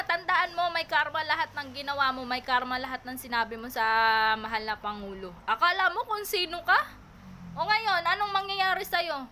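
A woman's voice: high voice, sharp tone, a little hiss or hum. A Filipino woman vlogger living abroad, scolding and mocking someone in a heated reaction rant, repeating her taunts. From Philippines. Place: home in Taiwan.

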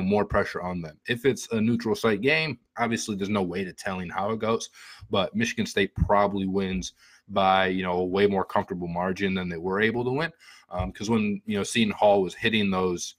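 A man's voice: low-pitched, fairly bright tone, no echo. An American man in his twenties giving casual, rambling sports commentary as a show host, close to a desktop mic at home. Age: 20s. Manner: rambling, conversational. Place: small room at home. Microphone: desktop microphone up close.

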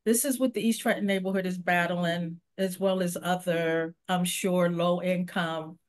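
A woman's voice: on the low side, steady tone. A woman community organizer talking earnestly on a video call, listing problems one by one. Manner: earnest, listing issues deliberately. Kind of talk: interview talk.

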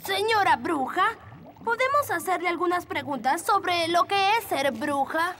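A woman's voice: extremely high pitch, animated, a little slow, bright, forceful tone, slight background noise, full character voice. A woman playing an eager, inquisitive young elf boy in a children's cartoon, with a Latin American accent. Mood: curious. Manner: inquisitive, wide-eyed. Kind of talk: dubbed children's cartoon acting.

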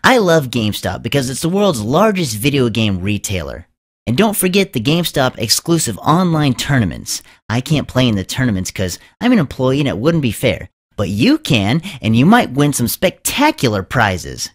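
A man plays a geeky video game store clerk in a commercial. He is eager and full of brags, and his pitch leaps about in a hugely animated way. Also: moderate pace, breathy edge. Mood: eager, boastful. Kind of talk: character radio commercial.

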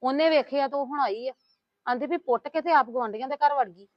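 Brief: actress as a complaining housewife, high voice, dull dry audio. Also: female voice, fairly quick, no echo, close to an everyday voice. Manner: complaining, gossiping, soothing. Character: talkative scheming woman, middle-aged housewife. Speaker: housewife in a family drama. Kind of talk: web series acting. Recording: dull lo-fi sound.

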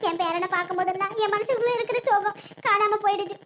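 A woman's voice: very high voice, fast, fairly bright tone, slight background noise. A woman voicing a grieving older village mother-in-law with a southern Tamil Nadu accent, lamenting and giving advice. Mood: indignant. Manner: lamenting, advising.

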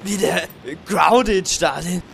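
A tipsy, slangy football fan acted by a man in a crime audio drama, chummy and halting. He talks slowly in a fairly high but very creaky voice, with some noise behind him. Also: a bit bright, full character voice. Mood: chummy, elated.

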